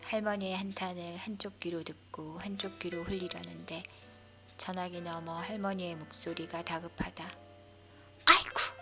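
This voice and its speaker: 속삭이며 이야기를 읽어주는 여자. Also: female voice, lowish voice, fairly even intonation, normal speed, over music. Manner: soft, breathy whispering, as if leaning in close. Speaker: narrator. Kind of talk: whispered bedtime story narration.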